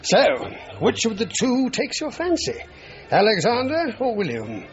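An older actor playing a blunt, teasing aging king in a period drama, measured and commanding. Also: extremely high pitch, wildly swooping pitch, heavily acted. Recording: dull lo-fi with faint music.

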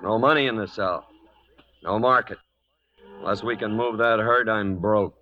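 An actor playing a hard, stubborn cattle baron with an American accent and a gruff, commanding manner in a radio western. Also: male voice, fairly low pitch, normal speed, lightly acted. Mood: grimly determined. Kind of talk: 1940s radio western acting. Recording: dull vintage radio recording.

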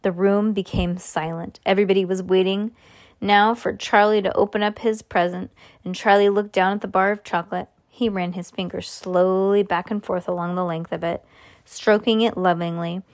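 A woman hosting a podcast, reading a children's book aloud in a relaxed way with small slips. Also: mid-range voice, moderate pace.

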